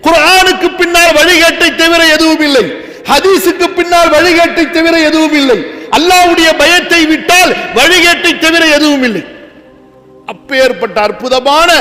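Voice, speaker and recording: Brief: high, bright-voiced male preacher, fervent and shouting, in a long echoing hall. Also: normal speed. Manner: impassioned, rising to shouts and chanting Quranic verses. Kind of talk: Islamic sermon.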